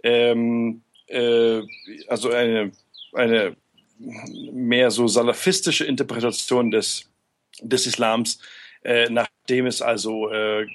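A man working for an aid group, answering interview questions casually, hesitant, with many fillers and restarts. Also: on the low side. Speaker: aid worker being interviewed.

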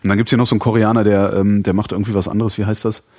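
A man's voice: on the low side, level tone, rapid-fire, a little mellow, no echo. A man in his forties co-hosting a podcast, chatting casually, rambling and laughing often. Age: 40s. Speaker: podcast co-host. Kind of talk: casual chat.

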